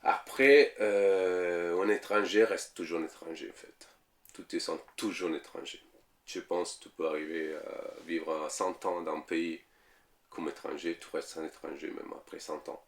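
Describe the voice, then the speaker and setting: Speaking French with an Italian accent, this thirtysomething man from Italy fumbles through a relaxed interview with plenty of fillers and repetitions. His voice sits low, his tone steady and his pace moderate.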